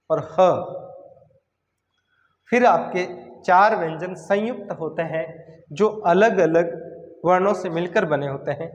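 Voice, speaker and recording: A male Hindi grammar teacher giving a lesson, speaking slowly and deliberately and repeating sounds and words for pronunciation practice. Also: high voice. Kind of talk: classroom-style grammar lesson. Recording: echoey room with long reverb.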